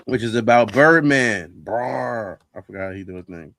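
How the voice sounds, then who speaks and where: A man's voice: fairly low pitch, a little fast, no echo. Laid-back male show host, dry mic. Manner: relaxed, chatty, reads comments and headlines. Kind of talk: casual show talk.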